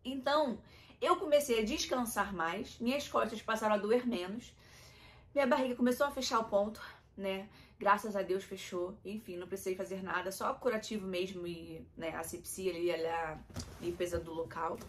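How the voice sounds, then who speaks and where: A woman's voice: mid-range voice, steady tone, moderate pace, fairly bright tone. Young woman, Brazilian Portuguese accent, vlogger, emotional, confiding, personal chat to viewers. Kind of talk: candid personal vlog talk.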